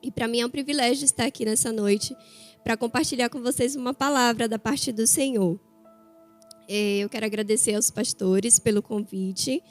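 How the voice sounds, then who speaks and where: A guest preacher in her thirties from Bahia, Brazil, delivers a chatty, story-filled sermon to a church in Bahian-accented Portuguese. Her voice is a little high at a moderate pace, with soft background music.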